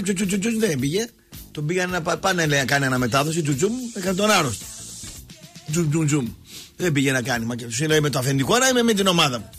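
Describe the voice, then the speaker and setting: A man hosting a sports talk show, ranting sarcastically and mocking people, going from loud outbursts to low muttering. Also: husky. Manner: sarcastic, mocking, switches between shouting and muttering. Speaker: radio sports talk host. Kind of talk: ranting monologue.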